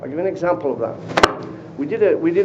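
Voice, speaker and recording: Speaking very fast with an English accent, a man is heard amid noticeable background noise and audible room echo. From northern England. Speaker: company representative. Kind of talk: sales pitch. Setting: city council meeting.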